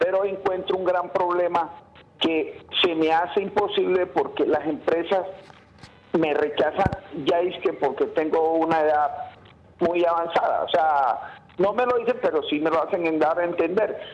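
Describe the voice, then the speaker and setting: A man with a high voice speaks fairly slowly, his intonation fairly even. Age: 50s. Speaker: caller. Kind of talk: call-in question.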